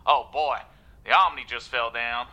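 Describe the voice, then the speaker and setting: An actress playing a frantic, folksy office worker, calling in to a radio show during an apocalypse. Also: female voice, extremely low pitch, unhurried, bright, forceful tone, lo-fi sound, heavily acted. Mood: rattled. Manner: panicky, rambling, folksy. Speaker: caller. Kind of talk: radio drama acting.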